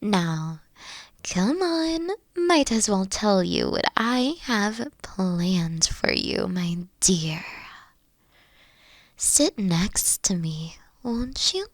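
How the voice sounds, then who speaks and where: A woman playing a mature, regal queen in an audio roleplay, teasing and flirtatious with a breathy, coy delivery and a protective streak. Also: medium pitch, big pitch swings, very slow, dry recording, clean studio sound, exaggerated voice. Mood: gently inviting.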